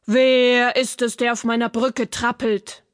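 A woman doing a slow, booming bridge troll. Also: flat delivery, no echo, studio quality. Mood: menacing. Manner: slow, loud, threatening calls. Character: big hideous bridge troll, male, menacing.

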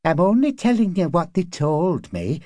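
A man's voice: high voice, very animated, normal speed, dark tone, no room sound, clean studio sound, voice pushed up. A man voicing an anxious, deferential working-class woman neighbour in an audiobook, with urgent, hesitant, colloquial speech. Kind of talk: audiobook character acting.

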